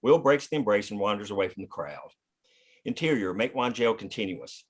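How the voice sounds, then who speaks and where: A man's voice: on the low side, very animated, fairly quick, husky. A man reading scripted stage directions plainly in the present tense, as narrator at a table read.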